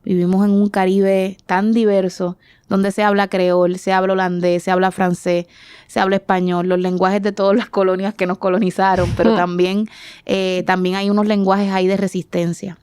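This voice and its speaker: A woman in her forties, born in the Dominican Republic, speaks as an artist guest. Her voice is smooth and clear, recorded dry and close. She pauses and restarts as she reaches for ideas. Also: medium pitch, little pitch movement, darkish tone, dry recording. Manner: thoughtful, searching for words, frequent restarts. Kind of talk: reflective interview answers.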